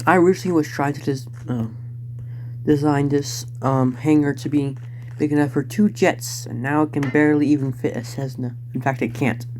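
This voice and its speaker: Medium-pitched male voice at a moderate pace, fairly even in intonation, with noticeable background noise. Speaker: gaming YouTuber. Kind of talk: gameplay commentary. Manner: halting, many self-corrections; poor diction.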